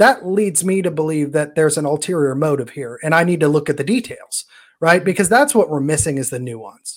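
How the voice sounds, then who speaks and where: This is an ordinary speaking voice with lively intonation. It moves at a fairly quick pace. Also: man, fairly high pitch for a man. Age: 30s. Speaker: music educator and education advocate. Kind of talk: interview discussion.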